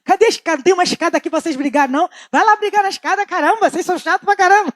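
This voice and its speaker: A man's voice: very high voice, very fast, fairly bright tone, pitched above the performer's own voice. A woman putting on the voice of her exasperated grown son teasing his parents about where they argue.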